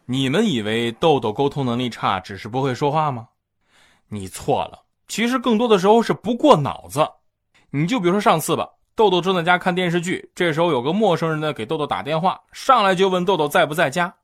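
A man hosting a comedy talk show, telling stories in a lively scripted monologue. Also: fairly high pitch, brisk. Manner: lively storytelling. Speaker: host.

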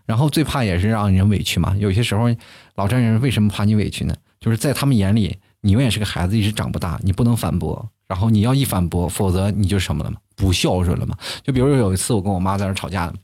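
A young man hosting a comic talk show, telling stories with animated delivery and acting out the people he quotes in a high voice. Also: quick pace. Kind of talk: stand-up style comic monologue.

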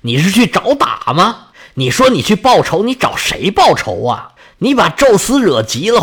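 A man's voice: medium pitch, a bit bright, slightly rough, pitched below the performer's own voice, heavily acted. A man voicing a stern female goddess who scolds a hot-headed god in an exasperated way.

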